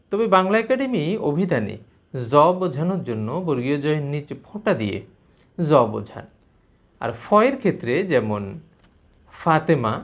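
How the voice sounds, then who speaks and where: A man giving a spoken lesson on spelling and pronunciation, explaining patiently and repeating sounds to contrast them. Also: on the high side. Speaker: language teacher.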